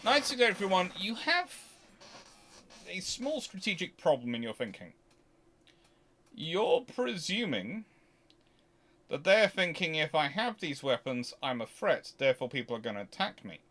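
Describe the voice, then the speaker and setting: A man hosts a casual, unscripted question-and-answer commentary, thinking aloud haltingly and growing emphatic as he explains. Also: fairly high pitch, big pitch swings, sharp tone. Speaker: history channel host answering viewer questions.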